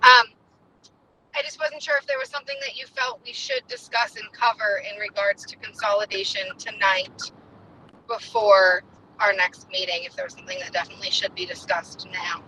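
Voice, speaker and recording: Lady on car speakerphone while driving, bright lively voice, bit of road noise. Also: medium pitch, normal speed, rough recording. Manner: polite, asks questions to steer the discussion. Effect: calling in from a car on a phone. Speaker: board member. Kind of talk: meeting discussion. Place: moving car.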